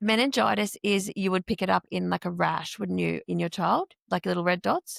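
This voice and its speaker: On a very clean recording with a silent background, a woman with an Australian accent speaks with hardly any pauses, the sound dry and close with no echo. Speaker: podcast host. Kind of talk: podcast interview. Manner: fast.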